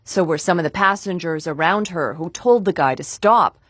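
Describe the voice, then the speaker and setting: Low-voiced female news reporter. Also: normal speed, husky, dry recording. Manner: even, polished delivery.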